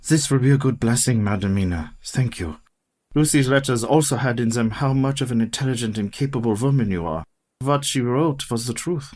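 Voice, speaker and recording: An actor in a radio play playing a learned, gentle and grave elderly professor who speaks in a formal, measured way. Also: male voice, mid-range voice, natural voice. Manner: formal, courtly, measured speech.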